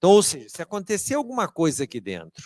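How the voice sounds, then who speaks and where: The pitch swings very widely in this very clean recording, which has a silent background and a dry, close sound with no echo. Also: man. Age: 60s. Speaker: professor. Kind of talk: lecture. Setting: auditorium.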